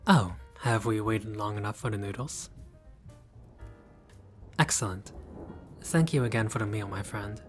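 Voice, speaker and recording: A man's voice: on the low side, unhurried, long pauses, faint music behind, close to an everyday voice. A man playing a haughty but friendly vampire lord in a roleplay audio, speaking in a formal, fussy, politely pompous way. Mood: gracious, refined. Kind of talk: scripted roleplay audio addressed to the listener.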